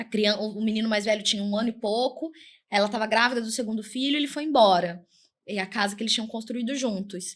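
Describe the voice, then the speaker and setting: Somewhat breathy, this voice with a Brazilian accent moves at a very fast pace. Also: woman, fairly high pitch for a woman, ordinary pitch variation. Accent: non-carioca Brazilian. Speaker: lawyer. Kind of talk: podcast interview.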